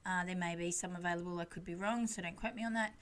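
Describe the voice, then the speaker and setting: A woman's voice: fairly low pitch, fairly even intonation, fast talker. A woman giving a casual, chatty and rambling scrapbooking voice-over as the host, with a self-deprecating way of talking. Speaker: craft channel host.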